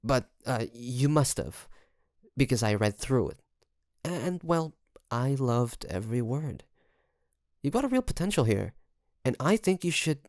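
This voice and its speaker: A man playing a secretly obsessive best friend in an intimate audio roleplay, coaxing and hesitant, with sighs and pauses. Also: mid-range voice, very animated, a little mellow, no room sound, clean studio sound. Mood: casual, coaxing.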